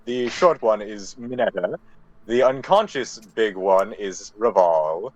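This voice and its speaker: A man's voice: on the low side, lively intonation, slow, a little mellow, muffled recording. Male game master for a tabletop role-playing session, narrating and voicing characters. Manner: speaks in character as non-player characters.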